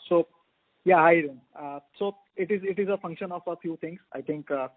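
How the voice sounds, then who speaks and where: A man with an Indian accent, a company executive explaining results on a call, very halting with many uhs and restarts. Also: a little high, slight background noise. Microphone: telephone conference call. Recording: tinny narrowband phone line.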